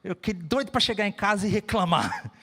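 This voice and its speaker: A Brazilian pastor preaches a sermon full of personal stories, repeating phrases emphatically for effect. His voice is high-pitched, husky and sharp, animated and fairly quick. The recording comes from an echoey hall with long reverb.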